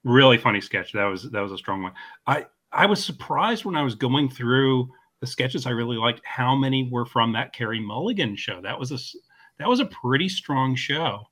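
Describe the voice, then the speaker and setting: A man co-hosting a casual comedy podcast, relaxed and agreeable, laughing along. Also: medium pitch, normal speed. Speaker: podcast co-host.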